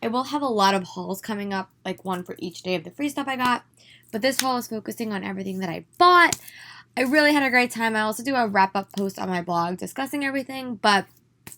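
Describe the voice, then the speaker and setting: A young woman with a slightly hoarse, congested voice, chatting about what she bought in a casual video from her room at home. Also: on the high side, animated, fast, bright, forceful tone. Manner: chatty, enthusiastic, many "um"s. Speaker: book vlogger.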